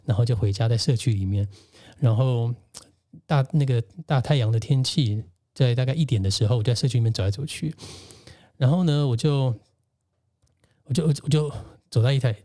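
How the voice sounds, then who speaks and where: A man, a podcast guest and co-host gently telling a personal story in casual conversation. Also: mid-range voice. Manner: reflective, gentle, recounts childhood memories.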